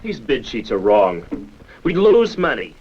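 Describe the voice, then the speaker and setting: A man's voice: mid-range voice, huge pitch swings, measured pace. An actor playing a blunt, accusing male office boss with a confrontational manner in a 1970s film. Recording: muffled, noisy 1970s film soundtrack.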